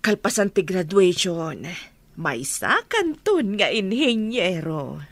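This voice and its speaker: A middle-aged woman with an Ilocano accent, playing a proud, gentle mother of a grown son in a radio drama. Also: mid-range voice, very animated, slow pace, dry recording, heavily acted. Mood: tender.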